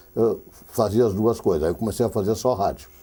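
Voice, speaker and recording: A man's dark, mellow tone moves at a fairly quick pace with ordinary pitch variation. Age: 70s. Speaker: radio broadcaster and former footballer. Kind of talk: interview, reminiscing. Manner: halting, frequent repetitions.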